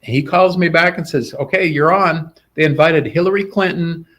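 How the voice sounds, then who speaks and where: A middle-aged man with a somewhat high voice, speaking as a guest in a relaxed interview. He tells stories with animation and slips into the voices of the people he quotes. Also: normal speed. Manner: animated, acts out quoted dialogue. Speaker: guest, sword swallower. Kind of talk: casual interview storytelling.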